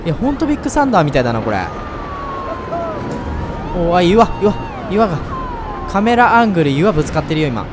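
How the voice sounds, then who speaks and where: A man giving let's play commentary, chatty and excitable, talking straight to his viewers and breaking into loud whoops. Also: high voice, quick pace, pauses often, noisy background. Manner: chatty, speaks to viewers directly. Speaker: game commentator.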